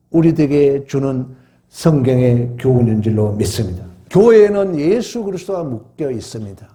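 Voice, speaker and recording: A male pastor preaching at a midweek Bible study, emphatic, swinging from raised exclamations to hushed, drawn-out solemn phrases. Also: medium pitch.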